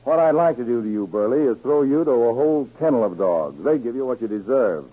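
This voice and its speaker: An actor playing a stern, commanding government counterspy chief in a 1940s radio drama, with clipped, deliberate speech. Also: male voice, mid-range voice, animated, natural voice. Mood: stern, accusing. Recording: scratchy, narrow-band 1940s radio recording.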